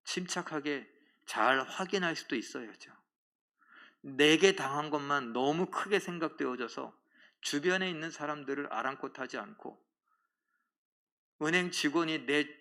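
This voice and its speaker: A man's voice: fairly high pitch, pushed and bright. A male pastor preaching a sermon, telling a story and asking the congregation questions. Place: church.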